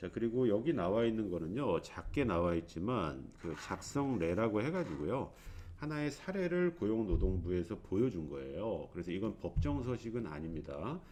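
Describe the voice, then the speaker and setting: Loud and fairly low-pitched, a man with a dark, mellow tone speaks at a moderate pace, his pitch swinging very widely amid audible room echo. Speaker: labor attorney lecturer. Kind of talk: lecture. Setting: recorded alone in a room. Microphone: muffled by face mask.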